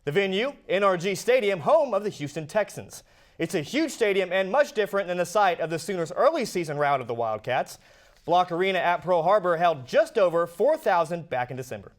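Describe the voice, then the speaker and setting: Young male co-anchor, high voice, upbeat and chatty between reads. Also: big pitch swings, fairly quick. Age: young adult. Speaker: sports anchor. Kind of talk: student newscast anchoring.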